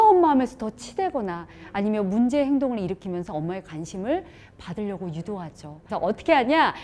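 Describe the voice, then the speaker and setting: Animated woman giving a parenting lecture. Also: fairly high pitch. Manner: animated, rhetorical questions, acts out scenes. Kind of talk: lecture to working mothers.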